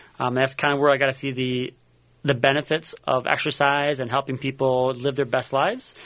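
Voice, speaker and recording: Speaking at a moderate pace, a man with a fairly high-pitched voice keeps a monotone, flat intonation on a very clean recording with a silent background. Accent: American. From Minnesota. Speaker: fitness program manager. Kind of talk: radio interview. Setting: studio.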